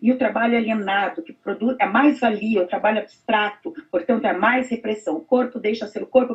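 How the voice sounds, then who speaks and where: This woman's voice sits fairly high, and she keeps a moderate pace. Her pitch varies in an ordinary way, and she has an unremarkable speaking voice. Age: 50s. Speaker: education professor. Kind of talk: lecture presentation.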